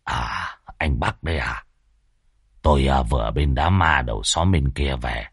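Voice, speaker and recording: A man voicing a grumpy bald old village man in a spoken ghost story, with a gruff, muttering manner. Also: a bass voice, expressive, a little slow, no echo, clean studio sound, pitched below the performer's own voice, full character voice.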